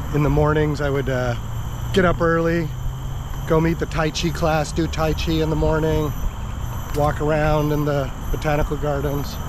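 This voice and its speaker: Over noticeable background noise, a man talks at a moderate pace with very even loudness and long, frequent pauses, the sound dry with no echo. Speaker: travel vlogger. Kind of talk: casual vlog chat. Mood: relaxed, nostalgic. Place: garden. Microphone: phone near.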